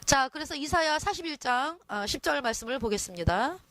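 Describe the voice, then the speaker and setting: A woman gives a sermon in a higher voice that rises and falls a lot. She speaks conversationally and keeps turning to her listeners for agreement. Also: lively intonation, a little fast, a bit bright, no room sound. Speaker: preacher.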